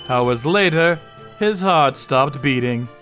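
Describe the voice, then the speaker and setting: Grim guy narrating a manga dub, slow n deliberate, really varied pitch. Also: animated, a bit bright, soft background music. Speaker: narrator and lead character, a torture sommelier. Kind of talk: scripted dramatic first-person narration for manga dub.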